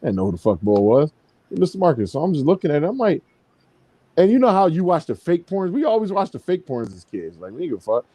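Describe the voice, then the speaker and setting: A man's voice: a little high, fast, no echo. A man hosting a podcast, telling a story in casual, profane chat with frequent laughs over a video call stream. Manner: profane, animated, laughs often. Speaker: podcast host.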